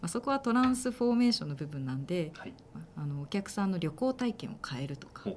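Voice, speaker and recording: A woman talks at a very fast pace, somewhat breathy. Her pitch swings very widely and her loudness swings a lot. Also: medium pitch for a woman. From Japan, Fukuoka. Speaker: startup executive. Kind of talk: business interview.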